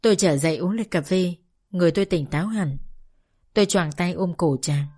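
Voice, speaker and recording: A woman narrating a novel aloud in a calm, measured first-person reading. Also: fairly low pitch, slightly rough. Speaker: audiobook narrator. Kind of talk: scripted narration.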